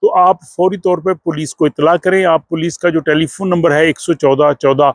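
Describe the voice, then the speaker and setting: Higher-pitched man presenting a vlog. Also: fairly even intonation, no echo, studio quality. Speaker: vlog host. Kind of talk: informational news vlog to viewers.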